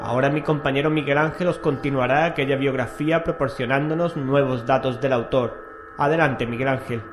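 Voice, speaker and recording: Man, medium pitch, scripted horror show hosting, soft music bed. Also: fairly even intonation, fairly quick. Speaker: radio show host.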